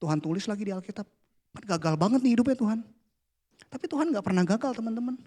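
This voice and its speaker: A man, preaching a casual, playful youth sermon that drops to a hush for the prayers. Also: high-pitched, lively intonation, fast talker. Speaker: youth pastor. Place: church hall.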